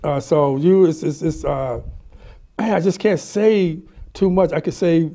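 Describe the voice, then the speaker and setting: A middle-aged man with a high, mellow voice hosts a laid-back studio talk show. He laughs a lot, stumbles and repeats himself as he chats with his guest. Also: measured pace. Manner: animated, laughs often, stammers and repeats words. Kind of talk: casual interview chat. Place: small studio set with city backdrop, indoors.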